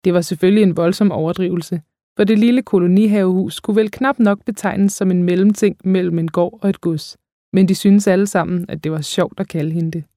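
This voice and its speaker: A woman reading a novel aloud as an audiobook narrator, calm and steady. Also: fairly low pitch, no echo, clean studio sound.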